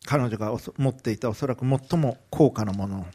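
Japanese pastor retelling a Bible story. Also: male voice, mid-range voice, brisk, dark tone, husky. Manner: vivid retelling, briefly acting out quoted lines. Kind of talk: sermon storytelling.

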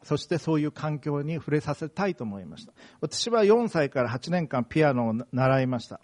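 A man's voice: a little high, very animated, normal speed, a little mellow. A middle-aged man from Okayama preaching a sermon, earnest and emphatic, telling personal stories. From Okayama, Japan. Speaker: pastor.

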